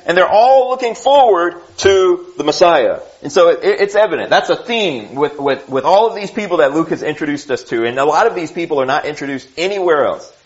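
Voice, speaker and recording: A man preaching a sermon, reading scripture and teaching it in a conversational way, with frequent asides and restarts. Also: fairly high pitch. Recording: dull lo-fi recording.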